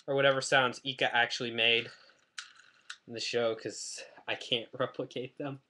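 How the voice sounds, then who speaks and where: A man's voice: medium pitch, flat delivery, normal speed, sharp tone. A man chatting casually in a rambling, self-deprecating way while reviewing a toy on his webcam at home. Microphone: webcam mic.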